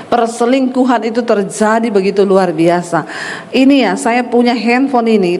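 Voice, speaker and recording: Animated woman pastor preaching in a reverberant hall. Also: mid-range voice, a little hiss or hum. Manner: animated, acts out quoted voices, blunt and forceful. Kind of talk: sermon with storytelling.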